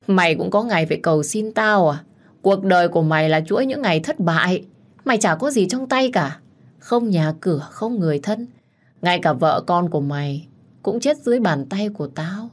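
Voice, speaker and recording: A woman voicing a crazed, violent young man with a knife, shouting menacingly. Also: on the low side.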